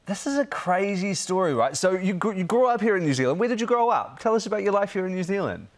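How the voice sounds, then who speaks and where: A man's voice: sits high, big pitch swings, fast talker. A man in his thirties presenting breakfast television from a studio, upbeat and chatty, on a lapel mic. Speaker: TV news presenter. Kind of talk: breakfast TV interview.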